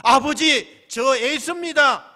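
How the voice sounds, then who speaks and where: A pastor voicing a grown son who wails and pleads loudly with his father. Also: extremely high pitch, slow pace, long reverb tail, pitched above the performer's own voice, exaggerated voice. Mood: urgent.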